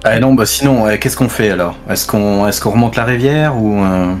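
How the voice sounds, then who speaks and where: A man with a fairly low voice talks as a player at a tabletop game. He is casual and colloquial, feeling his way through the discussion. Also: moderate pace. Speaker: tabletop role-playing player.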